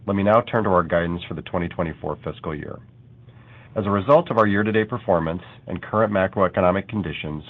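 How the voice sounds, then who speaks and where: Low-voiced man on a phone-like conference line. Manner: formal, measured reading. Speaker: company finance executive. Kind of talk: scripted financial report. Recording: phone-like conference call audio.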